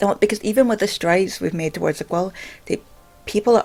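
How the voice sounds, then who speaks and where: A woman speaks with a Scottish accent. Vocal fry runs through her voice. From Scotland. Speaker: video blogger on stammering. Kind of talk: educational vlog monologue. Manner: disfluent with frequent fillers.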